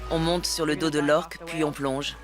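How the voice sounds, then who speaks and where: A woman's voice: low-pitched, level tone, normal speed, over music. Earnest woman, former orca trainer. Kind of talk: dubbed documentary interview.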